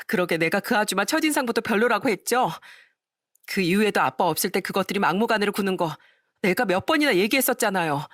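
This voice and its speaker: Woman playing a sharp-tongued sister-in-law telling people off, dry close sound. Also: mid-range voice, lively intonation, fast talker, no echo, natural voice. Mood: reproachful. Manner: scolding, scornful. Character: fierce grown sister-in-law, scornful and protective.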